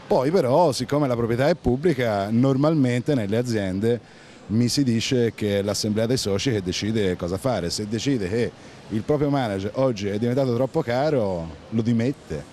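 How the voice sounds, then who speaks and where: A man's voice: mid-range voice, normal speed, warm tone. A man in his forties arguing his point step by step in a street interview. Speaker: interviewed passer-by. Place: outdoors under a city colonnade. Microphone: handheld interview microphone. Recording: faint street and traffic noise.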